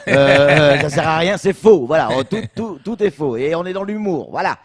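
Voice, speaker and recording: A man's voice: fairly high pitch, animated, moderate pace, dry recording, studio quality. A man hosting a satirical fake news segment in an upbeat manner. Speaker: host.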